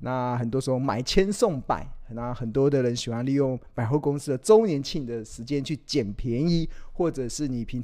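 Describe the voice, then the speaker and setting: A man's dark, mellow tone with ordinary pitch variation over a quiet background. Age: 40s. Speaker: investment educator. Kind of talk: livestream lecture. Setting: livestream.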